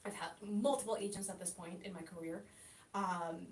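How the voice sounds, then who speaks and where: A woman from Chile whose first language is Spanish, a guest chatting casually in an interview, telling lively stories and laughing often. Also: normal speed. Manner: lively, laughing anecdotal storyteller. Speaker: guest, actress and comedian. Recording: roomy, distant mic with faint rumble.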